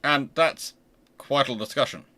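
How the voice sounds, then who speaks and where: A man's voice: mid-range voice, a little slow, bright, forceful tone. A man hosting a casual history panel discussion in a conversational way.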